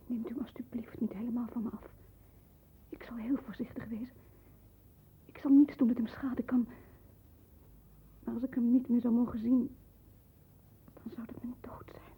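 An actress playing a frightened, devoted young woman in a 1960s radio play, breathy, hushed and anguished, on a muffled old recording. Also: on the high side, level tone, normal speed, pauses often. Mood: frightened whispering. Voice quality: breathy, husky.

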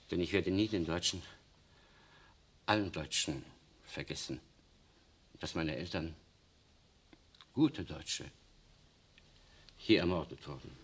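A man's voice: deep voice, fairly bright tone, husky, full character voice. An actor playing a defiant, bitter young Jewish man in hiding, speaking intensely in a 1960s radio drama. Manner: intense, declamatory.

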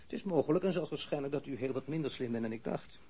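An actor playing a stern, sarcastic police interrogator in an audio crime drama, probing formally and relentlessly. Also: male voice, medium pitch, lively intonation, quick pace, mellow, breathy edge.

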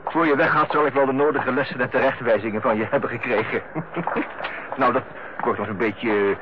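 Muffled old radio drama, clear background noise, male actor as lighthearted family man, youngest brother, jovial, bantering, teasing. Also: mid-range voice, moderate pace, natural voice. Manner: jovial, bantering, chuckling way of talking. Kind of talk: naturalistic Dutch radio play acting. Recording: dull, noisy old radio play recording.

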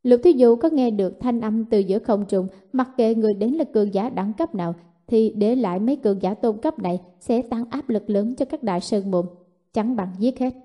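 A woman narrating a martial fantasy novel in steady, even storytelling. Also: a little high, brisk. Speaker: audiobook narrator.

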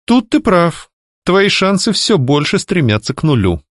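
A man voicing a sharp-tongued young woman who mocks and scolds her ghost ex-husband. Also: high voice, very animated, a little slow, no echo, clean studio sound, pitched above the performer's own voice. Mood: stern. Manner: mocking, scolding, ironic. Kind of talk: audiobook character voicing.

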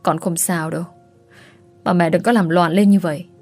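A woman's voice: lowish voice, steady tone, moderate pace, darkish tone, faint music behind. A woman voicing an injured, weary young wife in a spoken story. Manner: curt, weary.

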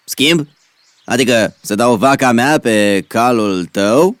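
A man's voice: medium pitch, animated, clear, resonant tone, dry recording, clean studio sound, lightly acted. A man voicing a man who trades away his cow. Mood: surprised.

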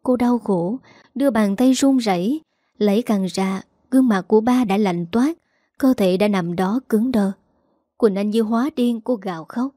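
A woman's voice: mid-range voice, moderate pace, dark tone, no room sound, clean studio sound. A woman reading a dramatic family story aloud, voicing every character herself. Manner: emotional melodrama reading, voicing all characters. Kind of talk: storytelling narration.

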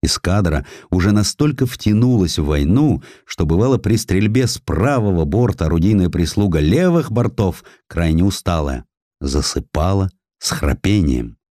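A man narrating a historical tale in an expressive, measured way, with weighty pauses. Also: sits low, no echo, clean studio sound. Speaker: audiobook narrator.

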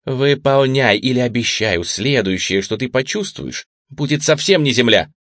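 A man's voice: on the low side, moderate pace, a bit bright, no echo, clean studio sound, natural voice. Man voicing a cold, mocking female agent. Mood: commanding. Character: hard, sarcastic female agent interrogating a man. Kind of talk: audiobook reading.

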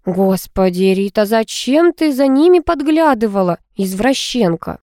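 Woman voicing a chatty, teasing college girl for an audiobook; high and lively, dry close sound. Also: a little slow, no echo. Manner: teasing, excitable. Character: giddy chatty female student friend.

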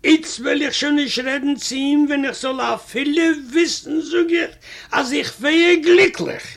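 A man's voice: very high voice, steady tone, a little slow, vocal fry, a bit bright. A man reading a comic first-person story aloud in a chatty manner, retelling a quarrel and repeating "I say" again and again.

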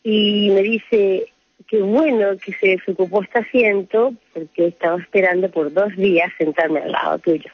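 A woman's voice: medium pitch, fairly even intonation, normal speed, slightly rough, no room sound. A Chilean woman calling into a radio show by phone, telling a rambling story with frequent laughs. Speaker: caller. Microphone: phone call. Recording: muffled phone line with faint music.

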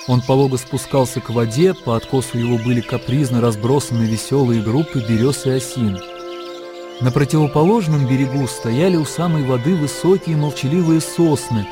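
Male narrator, measured, calm literary reading over music. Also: mid-range voice.

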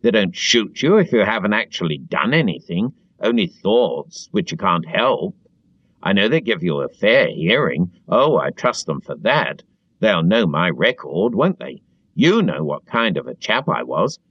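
A man's voice: big pitch swings, measured pace, slightly rough, dry recording, exaggerated voice. A man doing a frightened pleading prisoner. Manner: eager, pleading, high and strained. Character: frightened servile middle-aged man, pleading and anxious. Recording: dull dry lo-fi recording.

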